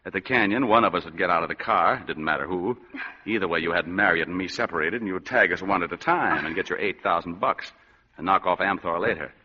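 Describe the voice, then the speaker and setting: An actor playing a wisecracking hard-boiled private eye in an old radio drama, with a dry, sardonic, clipped delivery. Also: male voice, sits low, fast talker, husky. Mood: accusing. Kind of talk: 1940s radio acting. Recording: dull old radio recording.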